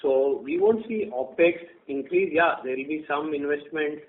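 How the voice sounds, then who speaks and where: A man with an Indian accent answering as a bank executive on a conference call, halting and repeating words as he explains in a semi-formal way. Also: fairly high pitch. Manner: halting, hesitant delivery with word repeats. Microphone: telephone conference call. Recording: thin, narrow-band phone conference line.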